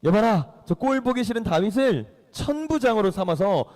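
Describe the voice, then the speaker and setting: A man voicing a jealous, raging old king who snarls and shouts insults. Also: sits high, big pitch swings, normal speed, big-room sound, pitched above the performer's own voice. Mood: scheming.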